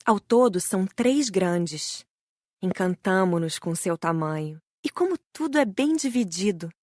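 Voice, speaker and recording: A woman with a Brazilian Portuguese accent reading a spiritual book aloud as a first-person narrator, gentle and admiring. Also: mid-range voice, animated, a little slow, no echo. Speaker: audiobook narrator.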